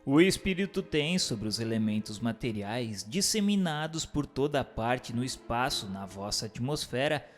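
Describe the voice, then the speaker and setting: A man's voice: mid-range voice, animated, moderate pace, hardly any pauses. A man gives a scripted, formal and didactic reading of a book of questions and answers. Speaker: narrator. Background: music.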